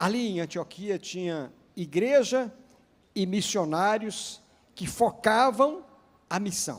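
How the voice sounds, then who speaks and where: Very slow and broken by long, frequent pauses, a man's speech comes at a high pitch with lively intonation. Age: 60s. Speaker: pastor. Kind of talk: sermon.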